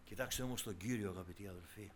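A man preaching a sermon to his congregation, impassioned, dropping to hushed tones and then rising to loud, fervent exclamations. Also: lowish voice, slight background noise.

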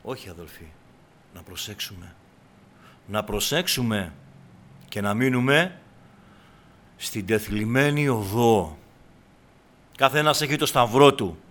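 Male preacher, bright and forceful, prone to sudden shouts then quiet asides. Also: expressive, long pauses. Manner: shouts in bursts, then drops to a low, quiet tone; addresses the congregation as brothers. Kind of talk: sermon.

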